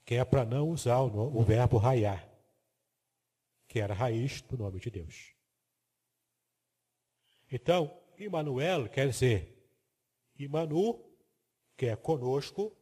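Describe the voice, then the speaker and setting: A man's voice: medium pitch, animated, takes it slowly, pauses often, dark tone, husky, long reverb tail. A man teaching the Bible from slides, explaining terms step by step and checking that the listener follows. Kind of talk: biblical teaching lecture with slides.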